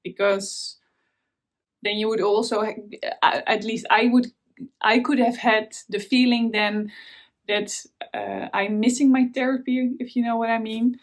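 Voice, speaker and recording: A woman's voice: on the high side, fairly even intonation, unhurried. A Dutch woman with a Dutch accent hosting a knitting vlog, talking in a casual, hesitant way with many fillers and restarts. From Netherlands. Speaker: knitting podcast host. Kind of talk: casual chat to camera.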